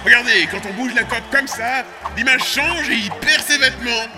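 A man voicing an excitable cartoon tournament announcer with grandiose showmanship. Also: very high voice, moderate pace, music in the background. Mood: festive. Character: showy, excitable tournament announcer presenting prizes.

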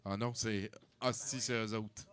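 A man's voice: lowish voice, steady tone, unhurried, a bit bright, clear, resonant tone. A man with a Québécois accent hosting a radio show, jokey and slangy. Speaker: radio host.

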